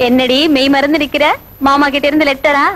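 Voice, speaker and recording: A woman's voice: sits high, little pitch movement, a little fast, fairly bright tone, a little hiss or hum. An actress playing a teasing young female friend in a family film. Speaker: friend of the heroine.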